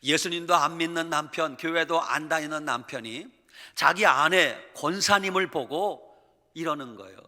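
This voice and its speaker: A man's voice: fairly high pitch, moderate pace, sharp tone. A male pastor preaching a sermon in a church, emphatic and vivid, acting out the stories he tells. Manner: emphatic preaching, acts out quotes and animals. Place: church sanctuary. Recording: reverberant church hall.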